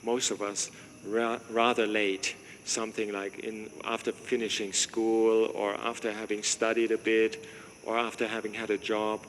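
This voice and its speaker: A man's voice: fairly low pitch, level tone, unhurried, a bit bright, a little hiss or hum. A man, a monk welcoming visitors to his monastery, talking casually, joking and chuckling often as he asks questions. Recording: reverberant space with faint ambience.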